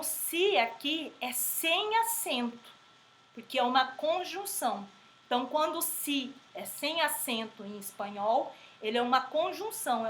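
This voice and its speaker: High-voiced woman teaching grammar slowly. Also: a bit bright. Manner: explanatory, repeats words slowly, checks in with "tá, gente?". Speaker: Spanish teacher. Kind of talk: online grammar lesson. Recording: echoey room with faint background noise.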